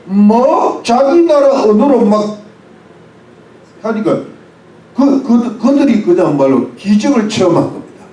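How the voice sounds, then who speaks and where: A man's voice: high-pitched, expressive, a little slow, long pauses, warm tone, roomy sound, far from the mic, rough recording. A man preaching a sermon as pastor, explaining words one by one with English phrases and asking the congregation questions. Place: church.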